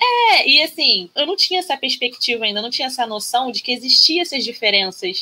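The voice is raised and projected, moving at a fairly quick pace. Its pitch swings very widely. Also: woman, high pitch for a woman. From Brazil, Rio de Janeiro suburbs. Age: 30s. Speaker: history master's student and beauty content creator. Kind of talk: casual interview chat.

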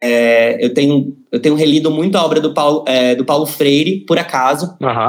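Noticeable background noise surrounds this voice. A man speaks with a fairly high pitch. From Brazil, Natal (Rio Grande do Norte). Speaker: screenwriter. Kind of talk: casual chat.

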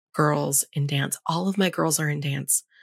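In a very clean recording with a silent background and a dry, close sound with no echo, a woman with an American accent talks at a moderate pace in a very deep, low pitch with vocal fry and an animated tone. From Southern California. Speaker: life coach and podcast host. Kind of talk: casual monologue.

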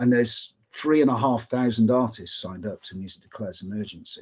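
An ordinary speaking voice from a man at medium pitch, fairly quick in pace, with ordinary pitch variation. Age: 50s. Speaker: music industry climate activist. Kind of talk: interview.

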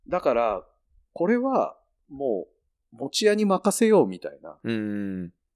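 Over a quiet background, a man talks at a fairly slow pace with long, frequent pauses. His loudness swings a lot. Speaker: amateur cyclocross racer. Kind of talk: casual chat.

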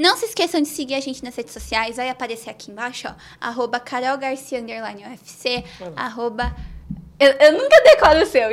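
Her pitch is high and her pace fairly slow as this woman speaks with big swings in loudness and ordinary pitch variation. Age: young. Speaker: podcast host and actress. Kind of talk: podcast interview.

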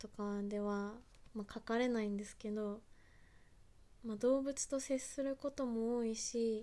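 A woman speaks at a fairly slow pace in a fairly high pitch, her dark, mellow tone carrying ordinary pitch variation. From Japan. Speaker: podcast co-host, former volunteer. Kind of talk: solo podcast monologue.

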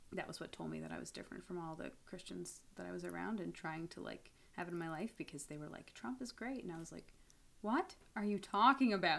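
Fairly quick speech in a Canadian accent. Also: woman. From Fredericton, New Brunswick, Canada. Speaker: musician. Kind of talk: casual chat. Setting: studio.

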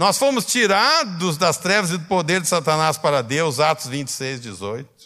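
In a southern Brazilian accent, a man talks fairly slowly with a fairly high pitch and a bright, sharp tone. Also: lively intonation, hardly any pauses, very clean recording, silent background. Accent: gaúcho Brazilian Portuguese. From southern Brazil, Porto Alegre area. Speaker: pastor. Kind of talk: sermon.

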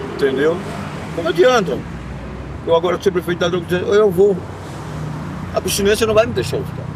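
A man with a high pitch and ordinary pitch variation at a moderate pace, with long, frequent pauses over noticeable background noise. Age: 30s. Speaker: homeless man. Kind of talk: interview.

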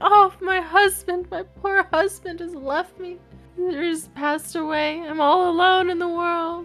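A put-on character voice speaks at an extremely high pitch and a fairly slow pace. Faint music plays in the background. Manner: sobbing, distraught.

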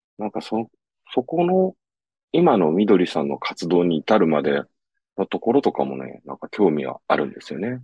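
A man talks at a moderate pace with a very deep, low pitch and vocal fry. His pitch swings very widely, and his loudness shifts a lot. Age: 50s. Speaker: podcast interviewer. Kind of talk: casual interview chat.

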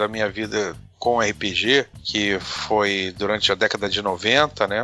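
Bright and sharp in tone, a man speaks at a medium pitch and a very slow pace. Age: 40s. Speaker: tabletop RPG game master and writer. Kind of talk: casual chat.

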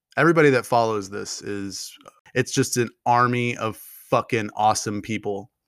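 Speaking at a moderate pace, a man has an ordinary speaking voice with a medium pitch and ordinary pitch variation. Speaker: podcast host. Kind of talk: casual solo podcast, reading news and emails, profane. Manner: rambling, casual, self-deprecating.

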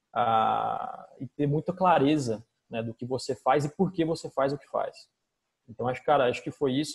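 His voice is somewhat breathy and fairly high in pitch for a man. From Brazil, interior of Goiás. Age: 30s. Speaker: marketing and sales professional. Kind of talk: casual interview chat.

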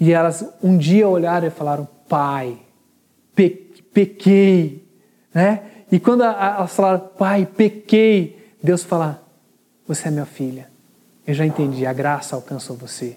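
A man's high-pitched, dark and mellow voice at a fairly slow pace, with lively intonation and long, frequent pauses. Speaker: pastor. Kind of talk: sermon. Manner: halting.

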